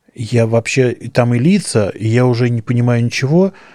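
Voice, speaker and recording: Dark, mellow tone from a man at a medium pitch. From Moscow, Russia. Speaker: podcast co-host discussing films. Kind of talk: casual chat.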